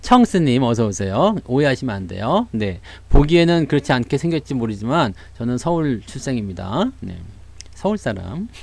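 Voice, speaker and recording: A man's voice: medium pitch, sing-song, a little fast, creaky, few pauses, darkish tone, no room sound. A man who speaks with a Jeolla dialect, hosting a casual stock market livestream, greeting viewers and laughing often. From Seoul, South Korea.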